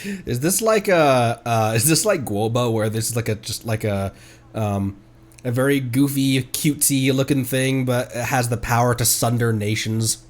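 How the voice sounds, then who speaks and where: A man with a medium-pitched voice live-streams casual game commentary at normal speed, giggling and gushing as video game music plays faintly behind him.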